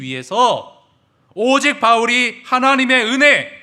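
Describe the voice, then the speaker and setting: A man's raised, projected voice, extremely high in pitch, bright and sharp in tone, at a fairly slow pace. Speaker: pastor. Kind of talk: sermon. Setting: church. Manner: strong forceful intonation.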